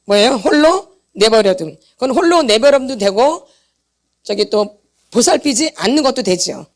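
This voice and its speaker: High-pitched woman preaching emphatically. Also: animated, moderate pace. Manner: emphatic, repeats points and quizzes the audience for answers. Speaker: pastor's wife teaching a healing seminar. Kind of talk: church seminar preaching. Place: church meeting hall.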